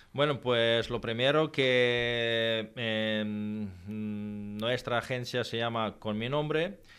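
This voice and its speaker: A man speaks at a very slow pace with hardly any pauses, medium pitch and fairly even intonation. The background is quiet. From Ukraine. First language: Ukrainian or Russian (speaking Spanish). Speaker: real estate agent; interview guest. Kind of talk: interview. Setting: studio. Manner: halting. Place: studio. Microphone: studio mic.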